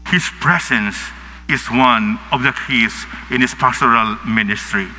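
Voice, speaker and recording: A middle-aged man with a Filipino accent preaching a homily in short, halting phrases into a lectern microphone through a face mask. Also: mid-range voice, sharp tone, soft background music. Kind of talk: sermon, partly read from notes. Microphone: gooseneck lectern microphone, speaking through a face mask. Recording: reverberant PA sound with clear background noise.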